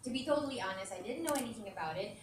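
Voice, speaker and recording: A woman gives a frank, chatty speech at a press conference. Her voice rings through a large, reverberant hall. It sounds distant from the mic, with clear ambient noise underneath. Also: fairly high pitch, animated, racing. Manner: candid, conversational, laughs easily. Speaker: radio host, brand ambassador.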